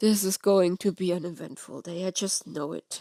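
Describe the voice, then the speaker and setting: A raspy, put-on character voice from a woman at a medium pitch, moderate pace and fairly even intonation, with a dry, close sound and no echo. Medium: read story. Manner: calm.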